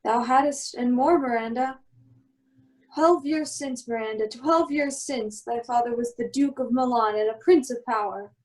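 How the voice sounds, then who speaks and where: A woman playing a commanding exiled magician and protective father, giving a measured, solemn reading of Shakespearean verse for an amateur radio play. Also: on the high side, close to an everyday voice, low-quality recording. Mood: solemn recounting.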